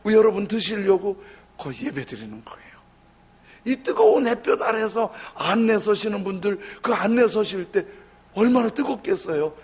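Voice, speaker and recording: Male pastor giving a sermon: husky, somewhat high voice, lively storyteller who acts out his characters.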